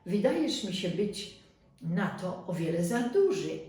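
A woman voicing a clever young woodcutter's son, eager and quick-witted, heard in a very echoey room from some distance. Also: medium pitch, big pitch swings, dark tone. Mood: cunning.

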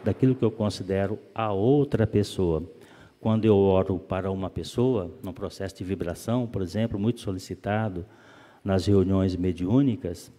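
A man giving a calm, explanatory spiritist lecture, often asking rhetorical questions. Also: lowish voice. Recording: long reverb of a hall.

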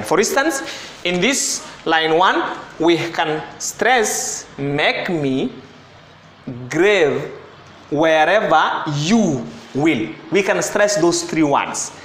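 A man's voice: high-pitched, fairly bright tone. A man teaching an exam-prep lesson, explaining step by step and often repeating and correcting himself. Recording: echoey room.

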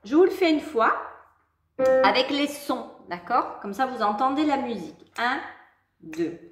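A woman's voice: sits high, animated, normal speed, echoey room. A woman teaching a music theory lesson to young children, explaining patiently, counting beats and singing note names. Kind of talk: online music lesson for kids.

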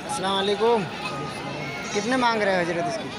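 A man, vlogging at an outdoor livestock market and quizzing sellers on their prices in a brisk, chatty way. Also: high-pitched. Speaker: vlogger interviewing goat sellers. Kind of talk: casual on-the-spot questioning and commentary. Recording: loud market crowd behind.

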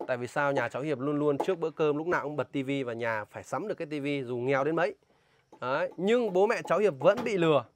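A man's voice: a little high, fast talker, noisy background. A man with a northern Vietnamese accent vlogging outdoors, talking emphatically and indignantly as he warns about a scam and questions a local. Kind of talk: casual outdoor vlog talk, interviewing a local.

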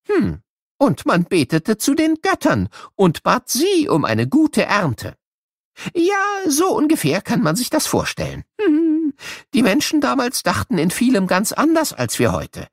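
A man's voice: very high voice, breathy edge, dry recording, clean studio sound, pitched above the performer's own voice, full character voice. A man voicing an old scientist who chattily explains things to children in an audio play, musing and humming to himself. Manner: chatty, musing, with little hums and questions.

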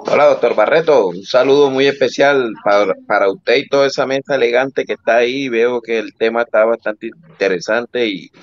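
A man joining a talk show as a guest over a video call, warm and courteous. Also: mid-range voice, normal speed, few pauses, muffled recording. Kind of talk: friendly greeting on a talk show.

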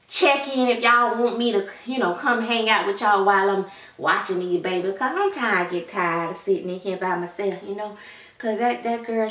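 A woman's voice: mid-range voice, bright, forceful tone. A woman playing a gossipy, sassy middle-aged babysitter auntie, rambling chattily and calling everyone child and honey. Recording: roomy room, mic at a distance.

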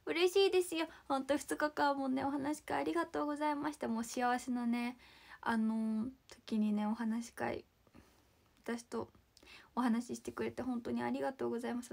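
Bubbly high-voiced young woman streaming. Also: creaky. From Saitama, Japan. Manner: chatty and bubbly, thanking viewers by name, drops into whispers. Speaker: idol livestreaming and reading viewer comments. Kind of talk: casual livestream chat.

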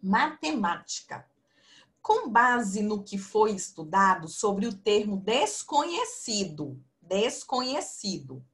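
A woman teaching young children in an online class over a video call, speaking slowly in a sing-song, patient teacher voice. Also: medium pitch, fairly bright tone. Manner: slow, sing-song teacher talk to children, calls herself auntie. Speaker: primary school teacher. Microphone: computer mic on video call.

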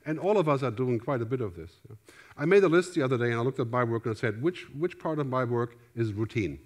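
A middle-aged man with a German accent delivers a conference keynote from a big theater stage, using a headset mic. His medium-pitched voice is expressive and quick, and his talk stays loose and conversational. He gestures widely and keeps checking in with the crowd by asking "right?"

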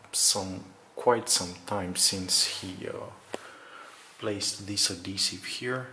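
A man's voice: deep voice, a little hiss or hum. A man giving an unscripted, casual video narration as a vlogger, speaking hesitantly and searching for his words. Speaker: vlogger showing an apartment renovation. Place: indoors in an empty apartment under renovation.

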